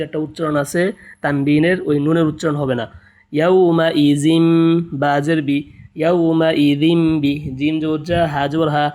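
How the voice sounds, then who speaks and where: A man teaching Quran reading to beginners, chanting letter-by-letter spellings slowly and explaining the rules in quick asides. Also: on the high side, darkish tone. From Bangladesh. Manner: slow sing-song spelling chants, then quick spoken explanations. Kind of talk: spelling out Arabic letters and vowel marks for beginners.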